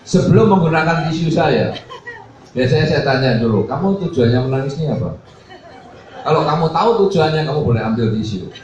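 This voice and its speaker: A man preaching a Buddhist sermon, telling a story and acting out the dialogue with a playful, joking manner. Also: a little hiss or hum. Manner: storytelling, acts out dialogue with varied pitch, jokey. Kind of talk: sermon with anecdotes. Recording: echoey hall, distant mic, dull sound.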